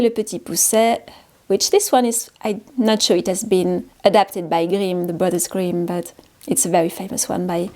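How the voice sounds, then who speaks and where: A woman with a French accent talks casually through what she is showing on her studio vlog. Her voice is mellow and relaxed, with little edge. She speaks off the cuff, often repeating a word or correcting herself midway. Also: medium pitch. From France. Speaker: paper artist hosting a studio vlog. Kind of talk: casual, unscripted show-and-tell.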